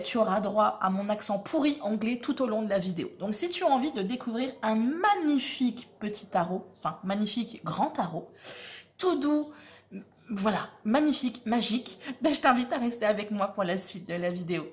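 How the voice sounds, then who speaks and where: A woman's voice: medium pitch, lively intonation, normal speed. A woman, hosting a tarot channel and presenting a deck in a chatty, self-mocking way with many fillers. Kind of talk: casual presentation to camera.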